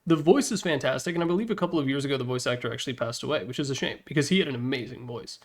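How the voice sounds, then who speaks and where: Speaking rapid-fire in a mid-range voice, this presenter runs through a tier list slideshow. He ranks things with loose, opinionated remarks, a bit of mild swearing, and dry side comments.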